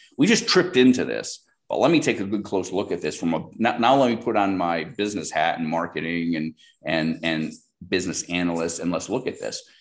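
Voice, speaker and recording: A man with an American accent and a normal speaking voice talks in a fairly low pitch. His pace is fairly quick and his intonation lively. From US Northeast, northern Rhode Island. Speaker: business owner. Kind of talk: interview.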